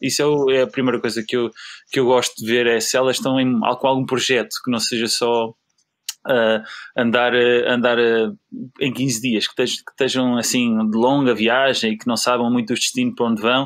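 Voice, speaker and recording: Monotone and flat, a man speaks at medium pitch and a moderate pace. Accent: European Portuguese. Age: 40s. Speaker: long-distance cycling traveller. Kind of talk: casual interview.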